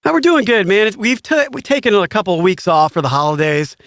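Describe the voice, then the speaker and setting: A man's voice: high voice, very animated, fast talker, a bit bright, no echo, studio quality. A man hosting a podcast, speaking in a casual, conversational way to guests and listeners. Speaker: podcast host. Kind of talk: podcast introduction and casual chat.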